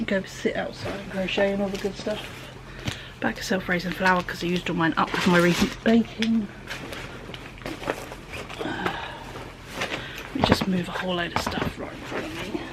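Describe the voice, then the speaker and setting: A woman's voice: mid-range voice, fairly even intonation, moderate pace, long pauses. A woman, chatting casually through a grocery haul at home, with plenty of ums and a slight hay fever wheeze. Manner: chatty, many ums, drifts into soft half-whispers. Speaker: vlogger. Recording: background noise.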